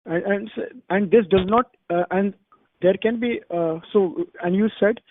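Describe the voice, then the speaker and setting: A man asking questions as an analyst on an earnings call, in halting phrases. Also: high voice, dry recording. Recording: narrow, dry phone line.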